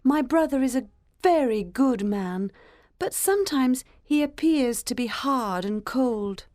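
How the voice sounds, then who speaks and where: An eager, caring young woman , as a woman reader puts her on, speaks high and bright. Her lines rise and fall with lively movement, read close and dry for a storybook. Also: unhurried, no room sound. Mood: serious. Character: kind, earnest young woman, caring sister.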